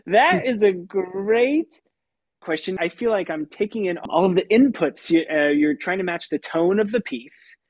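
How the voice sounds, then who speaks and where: A puppeteer and voice actor talking through his craft in an interview, with a light, youthful tenor voice and an animated manner that breaks into laughs. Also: high voice, unhurried, no echo, lo-fi sound. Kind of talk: conversational interview answers.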